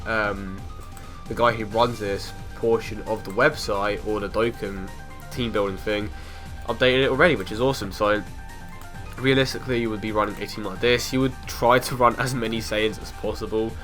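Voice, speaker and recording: Soft music plays behind a young man whose voice is fairly low, steady, and fairly bright. Hosting a casual mobile game analysis, he sounds a bit off from a cold and talks chattily, stumbling through ums and restarts and laughing quickly.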